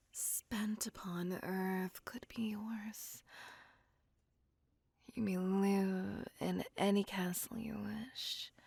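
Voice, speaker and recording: A woman's voice: mid-range voice, gravelly, darkish tone, breathy edge, no room sound, heavily acted. A woman voicing a polite, possessive female vampire in an ASMR roleplay, speaking formally and often whispering close to the mic. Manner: formal, courteous old-fashioned speech; whispering intimately. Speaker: voice actor.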